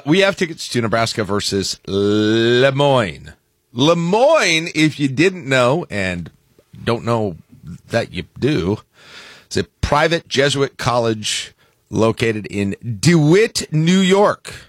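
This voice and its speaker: A man's voice: mid-range voice, fairly bright tone, no room sound. American guy doing morning radio, jokey and rambly, corrects himself, really dry studio sound. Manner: joking, halting with self-corrections. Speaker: morning radio show host. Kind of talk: casual radio banter. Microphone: close studio microphone.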